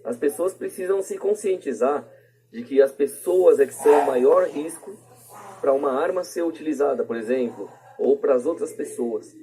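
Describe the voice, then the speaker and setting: A man's voice: a little high, moderate pace, dark tone, rough recording. A Brazilian man giving his opinions casually as a podcast guest, in a colloquial, rambling way with frequent tag questions. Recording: plain podcast voice recording.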